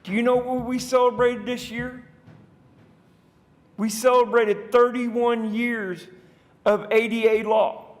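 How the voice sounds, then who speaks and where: A man with an extremely high-pitched voice gives public comment at a council podium microphone, speaking slowly with little pitch movement and frequent pauses. He is conversational and rambling, restarting as he goes, and his voice reverberates around the council chamber.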